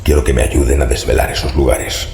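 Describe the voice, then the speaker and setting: Old occult investigator in horror audio drama, super deep croaky voice, grave and ominous, roomy echo. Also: male voice, level tone, darkish tone. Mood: solemn, urgent. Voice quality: very gravelly, breathy, half-whispered. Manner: grave, slow, ominous, formal. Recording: roomy echo with background noise.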